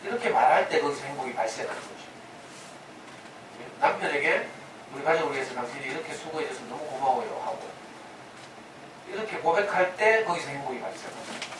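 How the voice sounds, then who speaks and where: A man's voice: medium pitch, expressive, a little fast, long pauses. A man giving a parenting lecture in a conversational way, full of rhetorical questions and acted-out quotes. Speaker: lecturer in a parenting humanities class. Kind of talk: lecture with sermon-like storytelling. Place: lecture room. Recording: echoey room from a distance, noisy.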